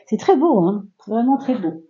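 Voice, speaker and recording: Warm-voiced woman giving a chatty tarot reading. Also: a little high, sing-song, normal speed, highs cut off. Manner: chatty, reassuring, many fillers and "hein". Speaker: tarot reader. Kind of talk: casual tarot reading for viewers.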